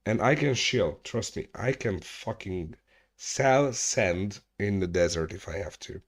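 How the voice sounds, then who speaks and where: A man talks at an unhurried, drawn-out pace, his voice sitting a bit low. He chats loosely with viewers from home, restarting his sentences and swearing without a second thought. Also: lively intonation. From Hungary. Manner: rambling, swears freely, restarts mid-sentence. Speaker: streamer hosting a chat hangout. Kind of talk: casual livestream chat.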